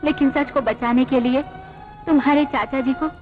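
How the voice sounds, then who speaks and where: A woman plays a wise, moral sister-in-law in a dubbed film, earnest and persuasive. Her voice is fairly high. The audio is thin and tinny, with faint music underneath. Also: fairly even intonation, moderate pace, close to an everyday voice. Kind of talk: Hindi film dubbing.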